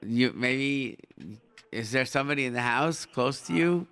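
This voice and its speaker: Man, middle-aged, mid-pitched, call-in show host, informal advice, repeated phrases, Hebrew and Yiddish expressions. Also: measured pace, fairly bright tone, clear, resonant tone. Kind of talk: conversational live call-in advice.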